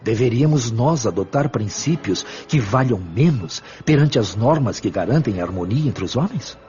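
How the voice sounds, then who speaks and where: An actor playing a wise, benevolent spiritual mentor in a radio drama, speaking in a measured, formal, teaching manner. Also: male voice, medium pitch, animated, mellow, lo-fi sound, faint music behind, lightly acted. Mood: patient, earnest.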